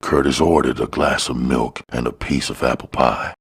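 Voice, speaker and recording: A man's voice: very deep voice, fairly even intonation, normal speed, gravelly, husky. A man reading a crime novel aloud as an audiobook narrator.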